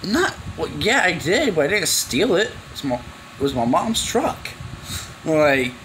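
This young vlogger, indoors in a messy garage, spins a casual, slang-filled story for the camera and acts out each exchange. He speaks at a measured pace in a fairly high, somewhat bright voice with big pitch swings. The low-quality recording carries a little hiss or hum.

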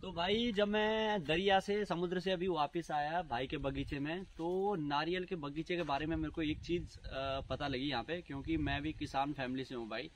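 A man's voice: a little high, moderate pace, hardly any pauses. Chatty male vlogger outdoors, noisy audio. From Indian hill region. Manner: chatty, excited, addresses viewers as bhai. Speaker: travel vlogger. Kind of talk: casual vlog narration to camera. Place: outdoors by the sea and in a coconut grove.

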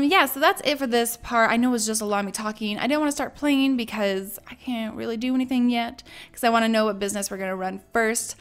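A woman's voice: medium pitch, a bit bright. A young woman casually commenting over a life-sim game, chatty and upbeat with lots of fillers, her voice a bit strained as it goes out. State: losing her voice. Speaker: let's play host.

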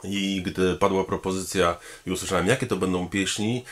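A man, a pianist and composer, speaking formally and thoughtfully about his work and pausing often on hesitation sounds. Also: deep voice, fairly even intonation. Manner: measured and thoughtful, with frequent hesitation fillers; formal, polite address to the audience. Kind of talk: promotional talking-head statement.

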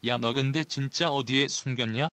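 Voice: medium pitch, steady tone, moderate pace, a bit bright, lightly acted. A performer playing a young recruit buddy in a comedy skit, blunt and dryly teasing. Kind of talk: comedic skit role-play.

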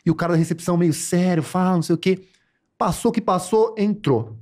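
A man's voice: sits high, a little fast, a little mellow. A man, a podcast guest, telling a story casually and acting out the quotes with animation.

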